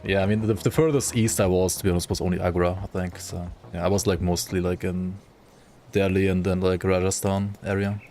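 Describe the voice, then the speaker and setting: A man's voice: low voice, level tone, brisk, warm tone. A man streaming a game, chatting casually and rambling with his viewers as he thinks aloud. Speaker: gaming livestreamer. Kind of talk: casual chat with viewers while gaming.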